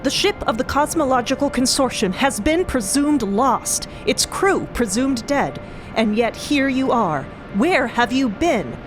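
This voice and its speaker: A woman acting a pushy, excited reporter in an audio drama, firing off insistent questions in a brisk, declamatory manner. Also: high voice, music in the background, voice pushed up.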